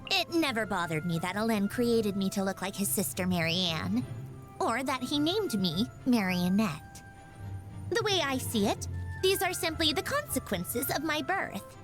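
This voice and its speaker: A woman's voice: a little high, big pitch swings, a little slow. An actress voicing a proud, ladylike young machine doll in a video game, with a prim, precisely worded delivery. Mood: composed, aloof. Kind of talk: scripted video game character voice lines. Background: music.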